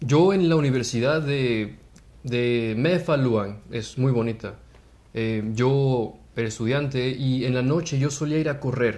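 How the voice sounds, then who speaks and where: Speaking at a very slow pace with a Mexico City accent, a man uses ordinary pitch variation. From Mexico, Mexico City. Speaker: web programmer; guest. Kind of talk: storytelling interview. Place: home room. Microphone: lapel.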